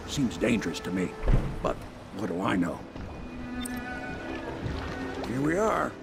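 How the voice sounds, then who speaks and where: An actor playing a gruff, practical old boatman in a video game, who talks in a folksy way. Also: sits low. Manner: folksy, gravelly.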